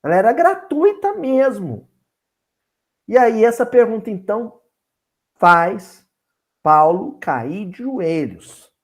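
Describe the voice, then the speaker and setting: A man with a Minas Gerais Brazilian accent giving an expressive Bible study talk. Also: high voice. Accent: Minas Gerais Brazilian Portuguese. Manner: animated and expressive, slow and emphatic. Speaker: spiritist Bible study speaker.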